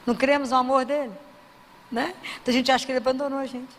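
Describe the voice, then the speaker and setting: A woman preaching a sermon who quizzes the audience and drops to a soft, low voice for prayers. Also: level tone, rapid-fire, slight background noise. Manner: asks the audience questions and answers them. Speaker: Christian preacher. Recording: long hall reverb.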